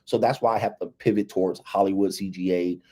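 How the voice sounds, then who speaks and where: Emphatic fifty-year-old man, low husky voice. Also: steady tone, fast talker, a little mellow. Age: 50s. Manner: emphatic, repetitive, punctuates points with "right?" and "okay". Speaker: relationship and dating commentator. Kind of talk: casual livestream commentary.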